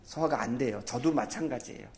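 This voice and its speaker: A male pastor preaching a sermon, telling stories in a lively way and acting out the people in them. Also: mid-range voice, brisk, vocal fry.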